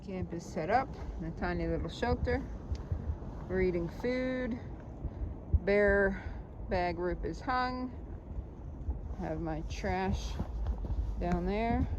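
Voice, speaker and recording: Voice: mid-range voice, slow pace, pauses often. A hiker narrating a casual trail vlog outdoors, with dry joking asides, recorded on a handheld camera or phone. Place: outdoors on a mountain trail, windy. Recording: dull lo-fi sound with wind noise. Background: wind.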